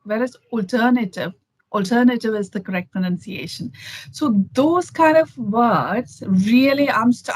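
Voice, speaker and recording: A woman's voice: on the high side, a little mellow, dry recording, low-quality recording. Indian woman chatting over a video call. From Kerala, India. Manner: thoughtful, many fillers and restarts. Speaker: interview guest.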